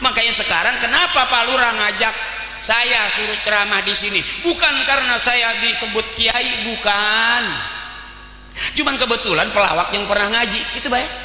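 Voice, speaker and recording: Audible room echo surrounds a man whose extremely high pitch comes at a moderate pace. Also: ordinary pitch variation. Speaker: preacher. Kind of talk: humorous sermon. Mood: joking, comedic. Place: stage. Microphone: handheld.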